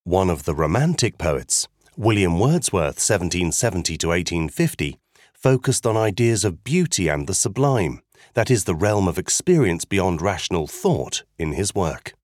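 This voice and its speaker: Deep-voiced man narrating a literature lesson. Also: very animated, darkish tone, dry recording, clean studio sound. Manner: clear, measured explanatory delivery. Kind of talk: scripted educational narration.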